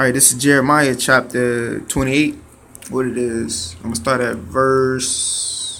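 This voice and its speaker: Fairly slow and fairly even in intonation, a medium-pitched man talks through noticeable background noise and audible room echo. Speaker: street preacher teaching scripture. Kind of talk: religious lesson. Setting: in a bathroom at work. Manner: halting, many fillers.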